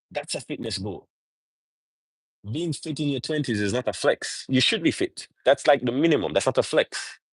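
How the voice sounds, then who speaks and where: The host of a motivational live stream, a man with a mid-range voice, delivers emphatic, unscripted remarks and keeps seeking agreement through rhetorical questions. The recording is rough, without echo.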